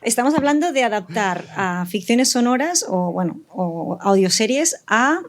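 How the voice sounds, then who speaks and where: A woman's voice: on the high side, expressive, normal speed. A woman speaking informally as a panelist in a casual discussion, tentative and often correcting herself as she explains her work. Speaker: audio fiction writer and panelist.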